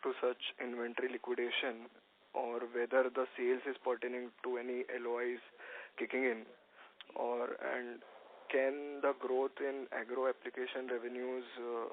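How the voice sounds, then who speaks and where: Male analyst caller, monotone questioning over a narrow telephone line. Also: medium pitch, moderate pace, slight background noise. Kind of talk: earnings call questioning. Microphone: phone call.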